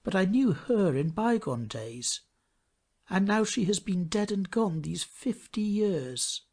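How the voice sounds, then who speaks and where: A man narrating a fairy tale from a script in an expressive, theatrical manner, often hushing his phrase endings. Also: sits high, slow pace. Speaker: storybook narrator.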